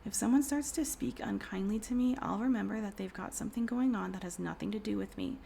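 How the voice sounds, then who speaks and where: A woman in her thirties doing a casual tarot reading, hoarse from a cold, speaking softly and often in a whisper with many fillers. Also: medium pitch, fast talker, slight background noise. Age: 30s. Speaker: tarot reader.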